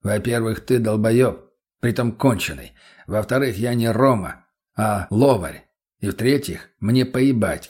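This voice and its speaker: A man's voice: fairly low pitch, a little mellow, husky. A man as a sardonic gypsy mercenary. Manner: dry, blunt, unhurried. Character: cool, sardonic male Lovari gypsy mercenary.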